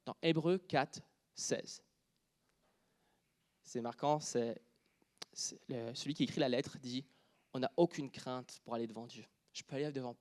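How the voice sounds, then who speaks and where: A man with a Quebec French accent preaching a sermon, dropping to a near whisper and then joking loudly with the congregation. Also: medium pitch. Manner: shifts from quiet intimate speech to loud joking with the congregation.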